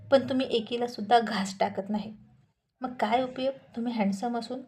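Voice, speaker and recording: A woman voicing a witty, sharp-tongued young wife who teases her husband with playful retorts. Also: on the high side, steady tone, a little slow, close to an everyday voice.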